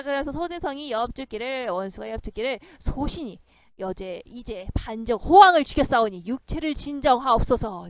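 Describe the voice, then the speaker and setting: A woman's voice: sits high, no echo. A woman teaching a classic novel for an exam, acting out its lines in voices and often laughing. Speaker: literature tutor. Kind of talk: exam literature lecture.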